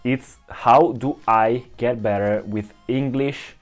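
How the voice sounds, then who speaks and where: A man's voice: mid-range voice, fairly even intonation, slow, faint music behind. A young man from Italy with an Italian accent, talking casually to camera in English, often restarting and searching for words. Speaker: vlogger.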